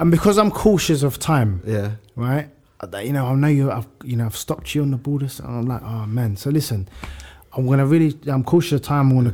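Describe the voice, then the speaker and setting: At a fairly quick pace, a man speaks at a medium pitch, somewhat breathy, with a dark, mellow tone. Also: lively intonation, very clean recording, silent background. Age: 30s. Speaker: former footballer and boxer. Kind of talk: casual interview chat.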